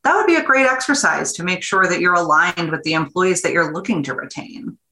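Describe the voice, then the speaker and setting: A woman executive giving measured, earnest business advice as a podcast guest. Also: on the low side, animated, sharp tone, echoey room. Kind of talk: interview answers.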